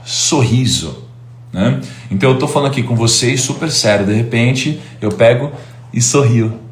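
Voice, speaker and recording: A man's voice: medium pitch, normal speed, reverberant, slight background noise. A man in his thirties giving a live informal lecture as host, chatty and full of tag questions. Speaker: host and teacher.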